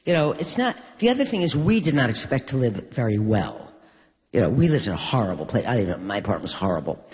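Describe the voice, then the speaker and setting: An older woman from New York, a guest in an onstage conversation, telling stories with wry, deadpan humor. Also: rumbling low, quick pace. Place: stage in a hall. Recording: long reverb of a large hall.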